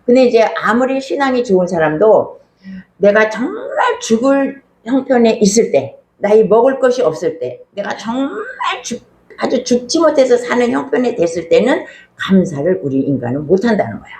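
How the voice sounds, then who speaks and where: A woman's voice: on the high side, very animated, moderate pace, darkish tone, reverberant. A woman pastor preaching a sermon in a conversational way, with emphatic repetition and rhetorical questions.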